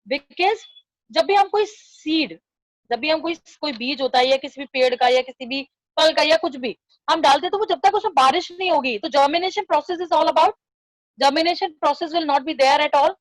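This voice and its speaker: High-voiced South Asian woman teaching. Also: no room sound, rough recording. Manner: repeats phrases and questions for emphasis. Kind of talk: classroom lesson explaining a poem line by line.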